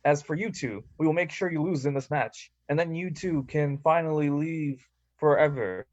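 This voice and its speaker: A man's voice: fairly high pitch, normal speed, darkish tone, dry recording, muffled recording. A man doing an amateur staged reading of wrestling promos, with casual asides, over an online call.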